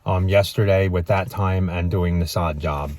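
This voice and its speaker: A man's voice: deep voice, normal speed. A man who runs a landscaping business, chatting casually with viewers about a finished sod job and giving offhand tips. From Western North Carolina. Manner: relaxed, offhand advice with fillers. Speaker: landscaping business owner, vlog co-host. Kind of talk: casual end-of-day chat to viewers.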